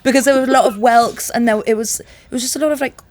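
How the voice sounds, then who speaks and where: A woman's voice: fairly high pitch, fairly even intonation, quick pace, a little mellow, no room sound. A woman in her thirties co-hosting a podcast, chatting casually with lots of filler words and restarts. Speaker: podcast co-host. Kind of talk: casual chat.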